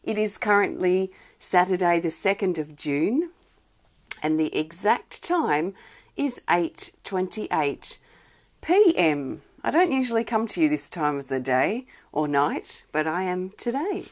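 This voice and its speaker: A woman hosting a live healing-guidance stream, speaking gently with many pauses, a bit wheezy from irritated lungs. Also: on the low side, big pitch swings. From Australia. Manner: soft, gentle, greets viewers by name, many ums and restarts. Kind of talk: live-streamed spiritual chat.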